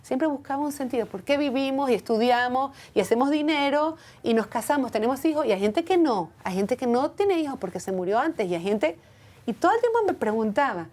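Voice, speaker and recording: A woman's voice: sits high, lively intonation, fairly quick, a little mellow. A woman speaking earnestly and reflectively as a guest in a personal interview. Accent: foreign accent when speaking Hebrew. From from outside Israel.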